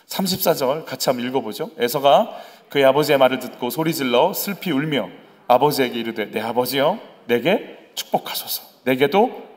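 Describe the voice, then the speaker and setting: A man preaching a sermon as the pastor of a church, asking the congregation questions and acting out voices. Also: fairly high pitch. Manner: animated, acts out quoted voices; conversational, asks the congregation questions.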